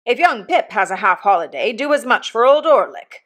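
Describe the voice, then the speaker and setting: A woman voicing a gruff, growling, quarrelsome young journeyman blacksmith with rustic working-class speech, in a storybook reading. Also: fairly high pitch, very animated, moderate pace, fairly bright tone. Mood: surly, aggrieved.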